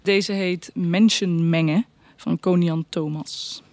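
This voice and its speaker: A woman introducing a story she is about to read aloud, enthusiastic with quick asides. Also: on the low side, steady tone, darkish tone, no echo. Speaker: reader at a reading night. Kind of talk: introducing a reading.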